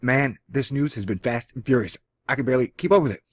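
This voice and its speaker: A man from Texas, speaking in a mid-range voice with a Texan accent, talks fast as he hosts a casual one-take vlog. He reads a science article aloud, tossing in jokey, self-deprecating asides, on a dry, close, lo-fi home recording with no echo.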